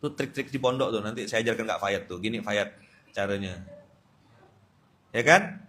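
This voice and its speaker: A man's voice: on the low side, normal speed, a bit bright. A man preaching to a gathering, telling a funny story and acting out the voices in it. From Pontianak, Indonesia. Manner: humorous, acts out quoted voices, laughs often. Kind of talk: storytelling sermon.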